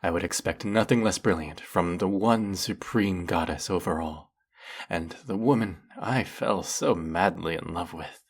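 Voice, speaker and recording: A man's voice: low-pitched, unhurried, husky, full character voice. A man playing a fanatically devoted, lovestruck male demon servant in a fantasy audio roleplay, speaking in a formal, theatrical, over-the-top reverent way. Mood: gushing devotion. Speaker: voice actor.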